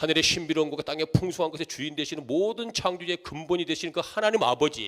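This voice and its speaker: Speaking at a very fast pace, a man uses a high voice and an animated tone. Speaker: church deacon, evangelism speaker. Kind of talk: church lecture on evangelism. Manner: animated, humorous.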